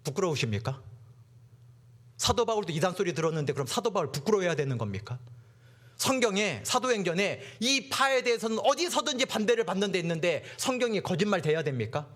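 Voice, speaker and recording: A man's voice: high-pitched, sing-song, a little fast. Dramatic youth preacher, man. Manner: dramatic, acts out mocking classmates, swings between hushed and loud. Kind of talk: sermon to teenagers.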